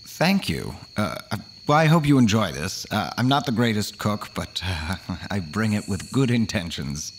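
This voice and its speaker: Low-voiced actor as polite horror narrator. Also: male voice, sing-song, moderate pace, slight background noise. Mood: awkwardly polite. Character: polite, fussy male accountant narrating a horror tale. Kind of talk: scripted first-person horror narration.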